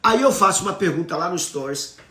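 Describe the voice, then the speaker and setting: A Brazilian man preaching on a live stream, his voice sitting a little high for a man. He teaches with emphasis, keeps asking his viewers questions and answers their comments. The sound is roomy and echoey. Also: animated, fairly quick, bright, forceful tone. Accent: Brazilian Portuguese.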